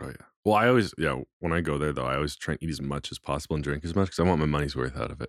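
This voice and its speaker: Very deep, low male voice with vocal fry and a Canadian accent, very fast pace, ordinary pitch variation, in a dry, close sound with no echo. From Canada (Calgary). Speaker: TikTok creator. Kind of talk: casual chat.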